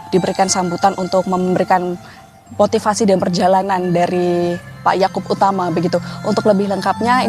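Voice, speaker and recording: Woman reporting live from the field. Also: medium pitch. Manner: hesitant fillers, conversational. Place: outdoors at a cemetery.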